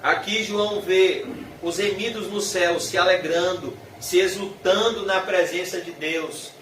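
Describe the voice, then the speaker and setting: A man's voice: high voice, a bit bright. Man, Brazilian accent, emphatic sermon, echoey hall, faint room noise. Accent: Brazilian Portuguese. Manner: emphatic, drawn-out slow phrases rising in passion. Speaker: preacher. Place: church hall. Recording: echoey hall, mic from far off.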